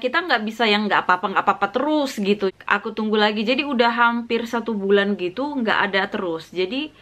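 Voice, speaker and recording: A woman's voice: medium pitch, a bit bright. A woman from Indonesia telling a casual vlog story about a job, acting out the dialogue and slipping in English phrases. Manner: recounts dialogue, mixes in English phrases, frequent fillers. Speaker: vlogger.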